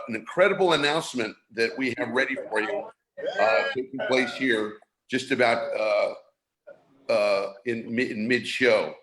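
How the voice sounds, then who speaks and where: A middle-aged man from San Francisco hosts a live online show, speaking casually with lots of restarts and fillers. His voice sits at medium pitch and sounds bright and forceful.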